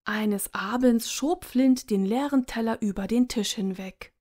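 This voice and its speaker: A woman tells a story in the first person, reading it aloud as its narrator. Her voice sits a little high yet sounds mellow and soft. She takes her time, letting each phrase unfold slowly.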